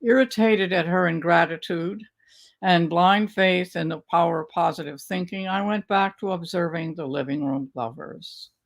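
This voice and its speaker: An older woman reading her own memoir aloud over a video call from a home study, with a measured, unhurried storytelling manner. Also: lowish voice, creaky. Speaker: author reading her work. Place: home study lined with bookshelves. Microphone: video call webcam.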